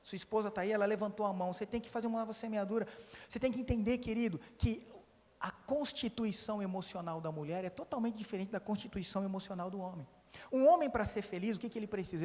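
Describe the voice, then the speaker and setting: A pastor with a notably high voice preaches in a lively, joking, emphatic way. His sermon rings out in a church, with a long reverb trailing his words. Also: quick pace.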